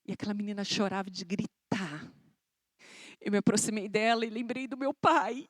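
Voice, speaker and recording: A woman from Brazil giving an emotional church testimony, telling her story dramatically and acting out the dialogue, with her voice rising and dropping in loudness. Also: medium pitch, fairly even intonation, moderate pace, no echo. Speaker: guest speaker giving a testimony. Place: church service.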